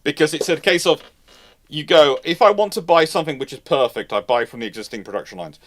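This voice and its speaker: A man hosting a live talk, explaining things off the cuff in an animated, emphatic way, often rephrasing mid-sentence. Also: a little high, fast. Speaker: host of naval history live Q&A. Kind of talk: off-the-cuff explanatory commentary, answering listener questions.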